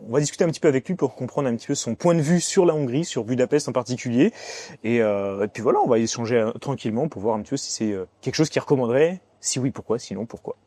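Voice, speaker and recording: A man hosts a casual interview and asks his questions in an easygoing, friendly way. He talks briskly, with words coming quickly. His voice has a dark, relaxed tone at a middle pitch. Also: dry recording. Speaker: host, interviewer.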